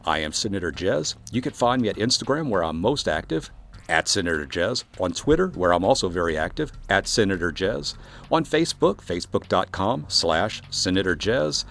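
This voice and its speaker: A man's voice: low-pitched, very animated, normal speed, creaky, fairly bright tone. A man hosting his own solo podcast, talking earnestly and encouragingly about defining success as an artist. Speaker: podcast host and composer. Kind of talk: solo motivational podcast monologue.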